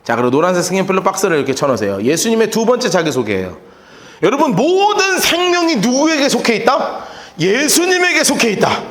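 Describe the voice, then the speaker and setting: A man's voice: high voice, quick pace. A man preaching a Bible-study sermon who keeps questioning his congregation and joking with them. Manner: asks the congregation frequent call-and-response questions; animated and joking. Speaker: pastor. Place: church sanctuary. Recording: echoey church hall reverb.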